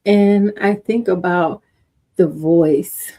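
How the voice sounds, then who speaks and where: A woman's voice: lowish voice, steady tone, mellow. A woman interviewing a guest, speaking in a thoughtful, affirming way. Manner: slow, affirming, thoughtful questions. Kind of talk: conversational interview.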